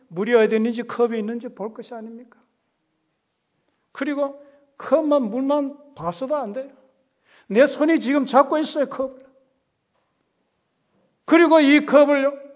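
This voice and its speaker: A man preaching a sermon as a pastor, emphatic and repeating key phrases, swinging between loud exclamations and hushed asides. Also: extremely high pitch. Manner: repeats key phrases and puts questions to the congregation. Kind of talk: Korean Protestant sermon. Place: church service.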